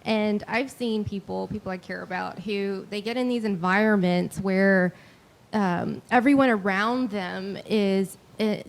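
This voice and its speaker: A woman's voice: medium pitch, steady tone, a little slow, creaky. A woman in the audience sharing an earnest, heartfelt reflection. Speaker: audience member. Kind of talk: spoken comment from the audience.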